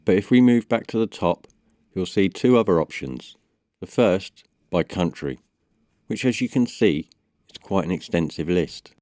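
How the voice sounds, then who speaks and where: A man narrating a step-by-step software tutorial in a measured, instructional way. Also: low-pitched, lively intonation, no echo, clean studio sound. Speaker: tutorial presenter.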